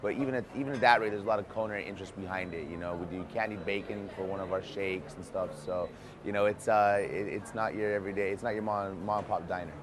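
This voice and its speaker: A man's voice: fairly low pitch, steady tone, fast talker, crowd noise. A man speaking casually and informally as a restaurant chef explaining his work. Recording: clear background noise.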